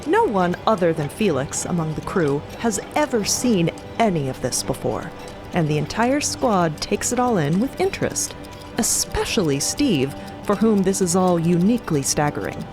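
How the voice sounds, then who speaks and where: A woman's voice: lowish voice, big pitch swings, moderate pace. A woman giving scripted dramatic narration as the narrator of a fiction podcast. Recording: clear music bed behind.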